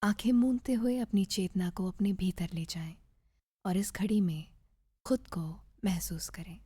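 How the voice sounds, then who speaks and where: Female meditation guide: soft, husky-breathy and mellow, soothing and unhurried delivery with gentle pauses. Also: mid-range voice, steady tone, no echo, clean studio sound. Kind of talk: guided meditation, scripted narration.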